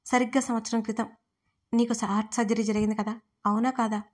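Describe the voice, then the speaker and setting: A woman voicing an angry, grieving young man in an audio story, harsh and shouting. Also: fairly high pitch, level tone, fast, natural voice.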